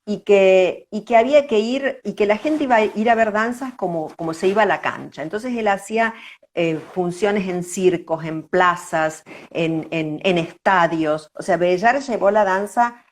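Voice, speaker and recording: An older woman with an Argentine accent reminisces in a conversational interview, reflective, pausing and repeating words. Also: mid-range voice. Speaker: interview guest, dancer.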